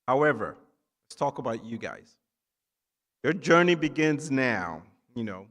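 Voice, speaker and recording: A man from Nigeria giving an encouraging keynote speech to students at a ceremony, with emphatic phrasing and short pauses. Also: medium pitch, very animated, fairly bright tone. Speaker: keynote speaker, physician assistant. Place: large indoor hall at a ceremony. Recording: echoey hall with long reverb.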